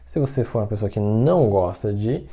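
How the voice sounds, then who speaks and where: A man's voice: lowish voice, expressive, brisk, dark tone, breathy edge. A man teaching an online language lesson, patiently repeating each word and often checking that the listener is following.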